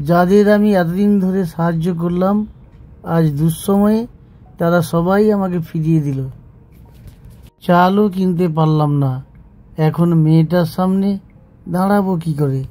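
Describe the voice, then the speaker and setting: An actor voicing a poor, kind-hearted village father in a cartoon, speaking in a pleading, gentle way. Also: high voice, steady tone, unhurried, long pauses. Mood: despairing. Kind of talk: cartoon voice acting.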